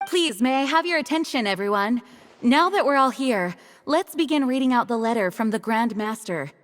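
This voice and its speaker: A woman's voice: fairly high pitch, expressive, moderate pace, natural voice. A woman voicing a composed knight leader who formally addresses a gathering. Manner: formal and commanding. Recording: game audio with reverb and music.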